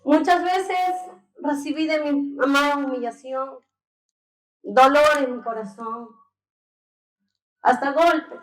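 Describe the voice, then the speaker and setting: A woman's voice: high-pitched, slow, pauses often, soft background music. A young woman from Peru giving an earnest, tearful testimony to a congregation, calling them brothers. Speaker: church member giving testimony. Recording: echoey church hall.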